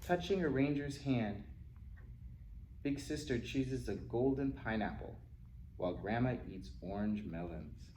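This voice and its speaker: A man leads a children's storytime, reading with lively, swooping intonation at a middle pitch. He drops in playful, chatty asides to his young listeners. The recording is roomy and echoey, with a little background noise. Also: unhurried. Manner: acts out animal sounds and exclamations. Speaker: library storytime reader. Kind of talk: animated read-aloud for young children.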